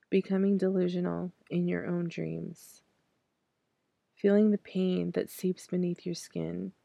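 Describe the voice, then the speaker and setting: A woman in her thirties, raspy from clearing her throat, reading her own poems slowly and then talking about them hesitantly with many fillers and restarts. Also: on the low side, dark tone, no echo. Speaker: podcast host reciting her poems. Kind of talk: poetry reading and casual reflection.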